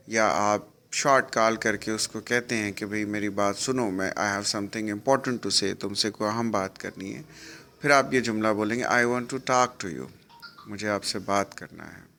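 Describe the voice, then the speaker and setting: A man with a South Asian accent teaching spoken English, explaining and repeating example phrases slowly and deliberately. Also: lowish voice, bright, forceful tone.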